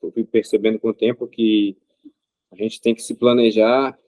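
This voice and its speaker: A man, an interview guest speaking in a measured way with frequent pauses and filler sounds. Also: lowish voice, little pitch movement, darkish tone, no room sound. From Rio de Janeiro state, Brazil. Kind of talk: casual interview answers.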